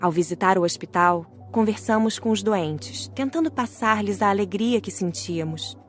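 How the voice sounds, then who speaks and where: A woman calmly narrating an audiobook in the first person. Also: medium pitch, normal speed, faint music behind. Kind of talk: scripted audiobook reading.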